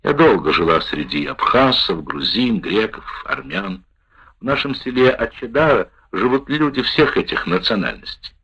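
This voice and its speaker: Husky low-voiced male audiobook narrator. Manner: measured, expressive first-person reading. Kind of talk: audiobook narration of a wartime memoir. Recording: dull lo-fi recording.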